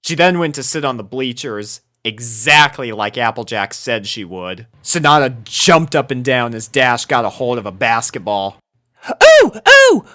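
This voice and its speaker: A woman's voice: very deep voice, moderate pace, few pauses, a bit bright. A woman narrating a scripted story as a reader of fan fiction.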